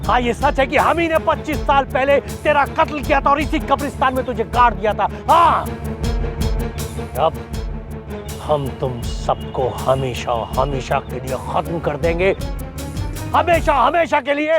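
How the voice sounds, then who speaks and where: A menacing murderer. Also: male voice, very high voice, big pitch swings, heavily acted. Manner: menacing, drawn-out threats. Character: guilty middle-aged male murderer, menacing. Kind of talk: TV sitcom acting. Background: background music.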